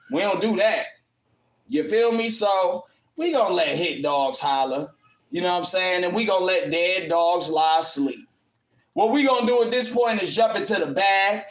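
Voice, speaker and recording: High-voiced boastful man, African American English accent. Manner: boastful, defiant, repeats himself for emphasis. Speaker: rapper. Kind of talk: casual hype talk to followers. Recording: roomy echo.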